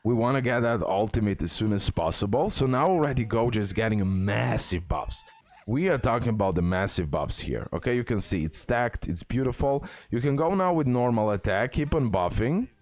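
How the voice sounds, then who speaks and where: A man giving casual, excitable gameplay commentary, repeating words and talking straight to his viewers. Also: fairly low pitch, normal speed. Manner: excitable, repetitive, addresses viewers directly. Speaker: gaming content creator, host. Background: music.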